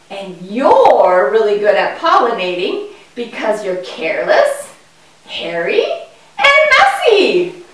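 A woman's voice: mid-range voice, a bit bright. Woman as a curious boy puppet, very echoey. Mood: thoughtful. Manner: wide-eyed, exaggerated, deliberate delivery. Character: curious, naive, easily amazed young boy puppet. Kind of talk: children's puppet show performance. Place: indoor puppet stage, far from the mic. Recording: echoey room, distant microphone.

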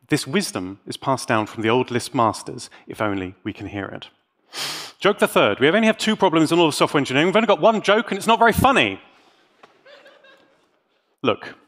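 Animated British man giving a talk. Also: mid-range voice. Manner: theatrical, emphatic delivery with dramatic pauses; wry, tongue-in-cheek. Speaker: conference speaker. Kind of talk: scripted tech talk with dry comedy.

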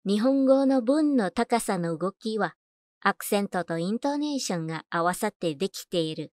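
A woman's voice: mid-range voice, animated, moderate pace, darkish tone, slight background noise. A woman reading scripted audiobook narration as a voice-over narrator.

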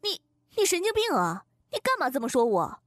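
A woman playing an anxious young wife in an audio drama, earnest and quick to protest. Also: sits high, wildly swooping pitch, a bit bright, no room sound, clean studio sound, full character voice. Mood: outraged. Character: anxious, indignant young wife, a clinic patient.

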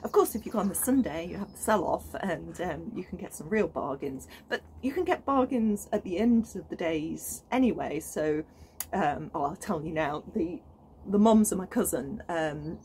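A woman's voice: on the low side, darkish tone, slight background noise. A woman in her thirties with a British accent, chatting casually to camera on her allotment, enthusiastic and full of ums and restarts. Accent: British English. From United Kingdom. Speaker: gardening vlogger. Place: outdoors on an allotment plot.

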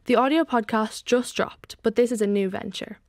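A woman's voice: fairly high pitch, normal speed, dry recording, clean studio sound. A young woman hosting a panel podcast, introducing guests and putting questions to them. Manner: friendly, scripted-sounding introductions and easy questions to guests. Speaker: podcast host. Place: TV-style studio set, indoors. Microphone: large desk microphone, wearing headphones.

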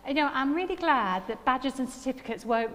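A woman's voice: sits high, expressive, brisk, a bit bright. A middle-aged woman with a Nottingham accent gives an informal sermon in a chatty, self-deprecating manner. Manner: chatty, self-deprecating, with frequent tag questions. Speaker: preacher. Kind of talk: informal sermon with personal anecdotes. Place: church hall stage at a lectern. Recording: echoey hall with long reverb.

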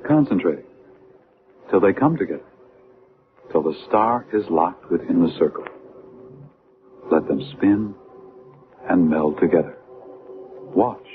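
An actor playing a probing, eager hypnotist doctor in a radio drama. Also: male voice, sits low, lively intonation, measured pace, pauses often. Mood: calm, hypnotic. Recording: noisy, tinny old radio broadcast.

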